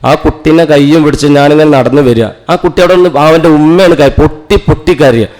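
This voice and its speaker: A man's voice: fairly high pitch, a little mellow, poor audio. A middle-aged man, a teacher telling an emotional story in a talk, earnest and full of restarts. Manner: fast, earnest, with frequent restarts. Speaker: teacher giving a talk at a cultural centre.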